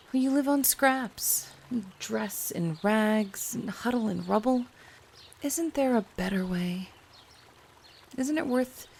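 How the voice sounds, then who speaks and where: An actress playing a haughty, menacing envoy of an elite enclave, deliberate and mock-polite, in a radio drama broadcast. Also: female voice, mid-range voice, slight background noise. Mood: scornful pity.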